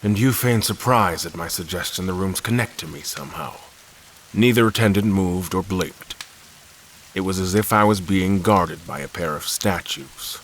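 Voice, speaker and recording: A man playing a brooding, calculating prisoner who narrates his captivity in a measured, formal, deliberate way for a scripted audio drama. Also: low voice, fairly bright tone, a little hiss or hum, low-quality recording. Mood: brooding, resolute.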